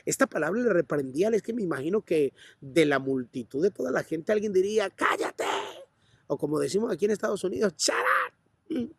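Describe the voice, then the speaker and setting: Colombian pastor preaching hard, kinda husky, higher voice, dry sound. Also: male voice, expressive, fast talker, few pauses, darkish tone, no room sound. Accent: Colombian Spanish. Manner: passionate preaching, acts out bystanders and the blind man's cries. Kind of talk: sermon. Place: church.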